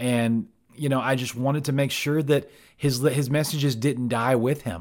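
A man speaks in a normal speaking voice at a medium pitch with ordinary pitch variation. The recording is very clean, with a silent background. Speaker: podcast host and church ministry worker. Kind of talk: casual monologue. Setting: office.

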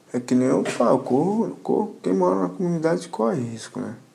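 Very wide pitch swings from a man, with noticeable background noise behind. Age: 30s. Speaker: community resident. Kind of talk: interview. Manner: informal slang-heavy.

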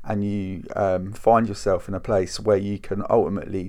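Speaking at a moderate pace, a man with a fairly low pitch talks with an English accent. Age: 30s. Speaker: podcast host. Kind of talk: solo podcast monologue.

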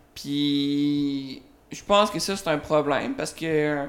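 Speaking with a Quebec accent, a man uses a fairly high pitch and fairly even intonation. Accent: Québécois French. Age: 20s. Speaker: real estate investor. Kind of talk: interview.

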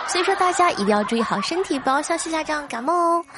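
Over noticeable background noise, a woman rattles along at a very fast pace in an animated, playful tone with very wide pitch swings. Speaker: podcast host. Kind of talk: casual solo podcast talk. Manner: animated, playful with frequent laughter.

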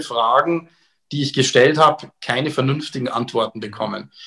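This man's voice sits fairly high and has a bright, sharp tone. He keeps to a moderate pace. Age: 40s. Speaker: fund manager. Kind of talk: interview. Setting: video call.

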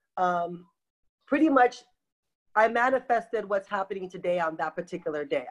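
With an American accent, a woman speaks using lively intonation. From Ghana and Portland, Oregon. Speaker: business owner and military veteran. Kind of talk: podcast interview.

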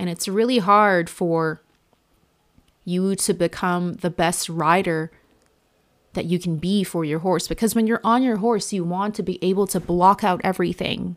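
A woman with an ordinary speaking voice and a Canadian accent, medium pitch, moderate pace and fairly even intonation. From Vancouver, Canada. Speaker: podcast host and fitness coach for equestrians. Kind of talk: solo podcast monologue.

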